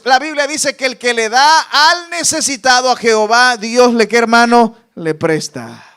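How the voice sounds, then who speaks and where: A man's voice: very high voice, sharp tone, clear, resonant tone. A male pastor preaching a fervent sermon, exhorting the congregation with repeated questions.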